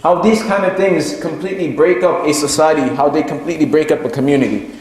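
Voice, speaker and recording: A man's voice: on the high side, fast talker, darkish tone, a little hiss or hum. Male Muslim preacher in a very echoey hall. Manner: didactic, repeats phrases for emphasis, rhetorical questions. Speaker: Muslim preacher giving a community lesson. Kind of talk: sermon, lecture to a congregation. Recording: very echoey hall with long reverb.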